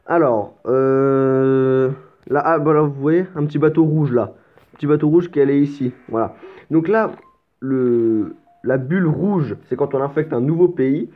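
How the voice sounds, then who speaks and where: A man's voice: mid-range voice, unhurried. A man talks through a strategy game as a let's play host, chatty and explanatory, tripping over his words now and then. His voice comes through thin and tinny, like a cheap phone line. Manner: chatty and explanatory, with stammers and mild swearing. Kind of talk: casual gameplay commentary.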